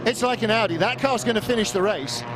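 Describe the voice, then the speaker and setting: Over loud engine and car noise, a male commentator delivers live motorsport coverage in a high, lively voice at a fast clip. He narrates the race with emphasis and keeps repeating phrases.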